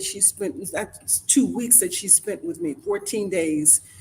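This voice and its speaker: Somewhat breathy and medium in pitch, a woman with an American accent makes very wide pitch swings. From US South, small town. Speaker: talk show host. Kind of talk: live panel discussion.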